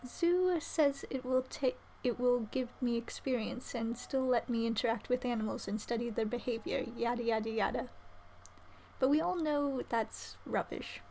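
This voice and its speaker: High-voiced woman streaming, faint noise. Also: moderate pace, mellow, poor audio. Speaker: game streamer. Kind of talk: live playthrough commentary, reading game dialogue aloud. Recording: slight background noise.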